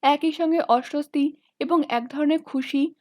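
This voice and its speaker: Woman audiobook reader, high voice, dry close sound, steady storytelling. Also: a little slow, no room sound. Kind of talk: novel reading.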